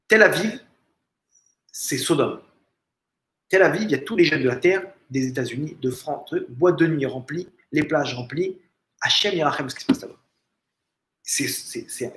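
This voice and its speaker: A rabbi giving an informal religious lesson in a family home, asking rhetorical questions and repeating phrases with emphasis. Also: male voice, fairly high pitch, fairly bright tone. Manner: frequent restarts and stumbles. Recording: echoey room.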